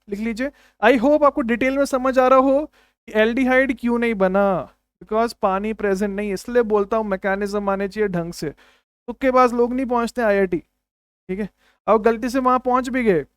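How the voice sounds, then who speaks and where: A man's voice: very high-pitched, clean tone, dry recording. Emphatic young man teaching chemistry. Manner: emphatic, repeats key phrases, calls students "my brother". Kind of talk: online exam-prep lecture.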